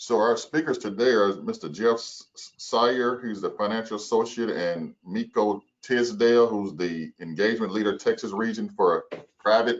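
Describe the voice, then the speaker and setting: A man speaks with ordinary pitch variation and big swings in loudness. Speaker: city staff member. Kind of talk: public meeting. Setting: conference call. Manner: slow.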